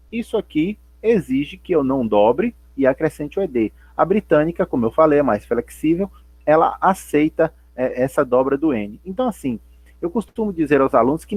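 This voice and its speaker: Patient teacher, husky voice. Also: male voice, a little high, darkish tone, dry recording. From Brazil. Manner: patient, repeats and spells out points, asks and answers himself. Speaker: English teacher. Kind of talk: remote class explanation.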